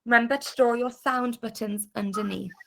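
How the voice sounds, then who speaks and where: A British woman teaching an online phonics class to young children, sounding out letters clearly and praising often. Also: a little high, fairly even intonation, normal speed, slight background noise. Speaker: primary school teacher. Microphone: video call.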